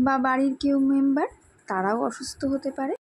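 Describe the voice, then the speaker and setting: A woman's voice: high voice, fairly quick, darkish tone, a little hiss or hum, low-quality recording. A woman hosting a cooking channel, giving a home remedy tutorial and talking straight to her viewers in a friendly way. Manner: friendly, addresses viewers directly.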